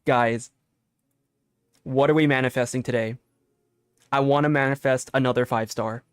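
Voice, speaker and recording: A young man streaming a video game, chatting casually with his viewers, often laughing and getting loudly excited. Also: medium pitch, moderate pace, clear, resonant tone, dry recording, clean studio sound. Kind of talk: casual gaming livestream chat. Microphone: desk mic with limiter filter.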